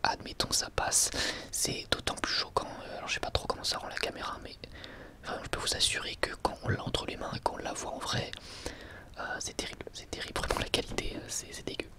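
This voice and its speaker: Close to the mic, this man reviews a product for his ASMR video in an unvoiced, breathy whisper. He speaks haltingly, with a wry, sarcastic edge.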